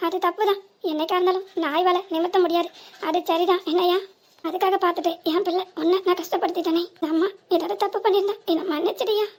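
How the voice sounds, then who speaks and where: A woman's voice: very high-pitched, steady tone, fast talker. Woman voicing a pleading older village mother, southern Tamil Nadu accent. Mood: pleading, remorseful. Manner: pleading, self-reproaching. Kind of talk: cartoon comedy voice acting.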